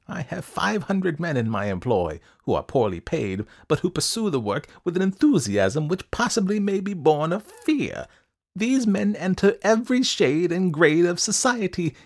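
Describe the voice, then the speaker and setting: Audiobook villain, voiced by a man: eccentric little male schemer, high and swooping, formal, smugly menacing. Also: creaky, full character voice. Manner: formal, precise, clipped delivery. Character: menacing, eccentric little old-fashioned schemer, self-satisfied, coughing.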